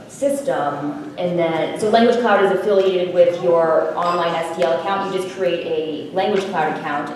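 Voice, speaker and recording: A woman presenting software at a conference, casual and hesitant, with many fillers and restarts. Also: lowish voice. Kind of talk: conference presentation with audience questions. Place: conference room. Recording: echoey room, mic far off, faint noise.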